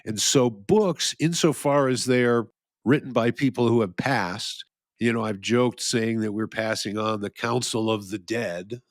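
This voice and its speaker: Male podcast co-host, mid-pitched, close and dry, meandering musings with restarts. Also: no room sound. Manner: rambling, restarts often, laughs at own jokes. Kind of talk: casual philosophical chat.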